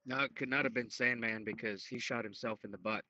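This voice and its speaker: A man's voice: medium pitch, steady tone, brisk, sharp tone, no room sound. A man contributing casual banter to a podcast conversation. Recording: dull, band-limited voice chat.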